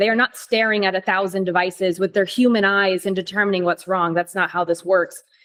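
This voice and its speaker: In an American accent, a woman talks at a very fast pace. Her pitch is medium and her intonation fairly even. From US, Denver, Colorado. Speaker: tech conference speaker, developer advocate. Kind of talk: tech talk presentation.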